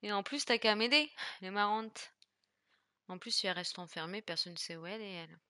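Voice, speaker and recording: A young French woman streaming a horror game, chatting casually and swearing in loud bursts, with a stuffy nose from being sick. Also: medium pitch, quick pace, no echo. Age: 20s. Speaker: gaming streamer. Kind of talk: casual let's play commentary.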